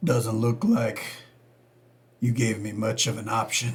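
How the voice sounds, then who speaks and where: A man uses a put-on character voice at a medium pitch and a fairly slow pace. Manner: gruff, drawling.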